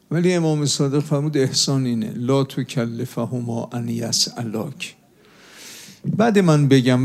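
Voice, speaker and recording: A man's voice: mid-range voice, darkish tone. Impassioned male preacher giving a sermon. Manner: impassioned, pleading, slows down to recite Arabic sayings. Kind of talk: sermon to young people at a religious gathering. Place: religious gathering hall.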